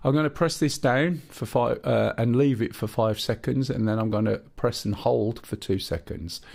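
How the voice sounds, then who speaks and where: A man's voice: medium pitch, moderate pace, creaky, darkish tone. A man with a Black Country accent chatting casually while live-streaming a flight game and reading viewer chat aloud.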